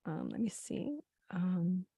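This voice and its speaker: A woman sharing her thoughts on a video call in a casual discussion, pausing often with fillers and restarts. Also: fairly low pitch, big pitch swings, gravelly, mellow, husky, no room sound, studio quality. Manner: hesitant, with many fillers and restarts.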